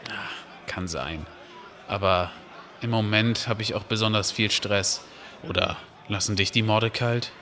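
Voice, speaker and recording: A man's voice: fairly low pitch, a little slow, bright, forceful tone. An actor playing a weary, stressed man in an audio drama, terse and matter-of-fact. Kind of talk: German audio drama acting. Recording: clear background ambience.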